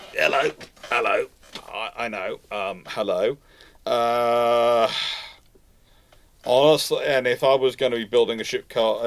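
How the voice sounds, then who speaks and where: A man's voice: mid-range voice, slight background noise. Male host for informal live history Q&A. Mid-range voice, rambling, repetitive, thinking aloud. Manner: rambling, repeats and rephrases himself. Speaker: host answering audience questions. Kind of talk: live question-and-answer chat on naval history.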